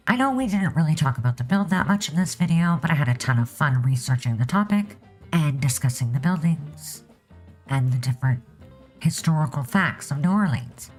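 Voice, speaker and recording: A woman with a husky voice and a cold, narrating a game speed build in a chatty voiceover. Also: deep voice, poor audio. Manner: chatty, upbeat sign-off. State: losing her voice, has a cold.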